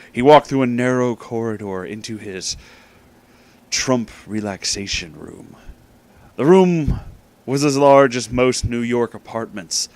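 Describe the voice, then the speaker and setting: With a medium-pitched voice, a man performs a funny story as a dramatic reading, including amused side comments and deliberate pauses.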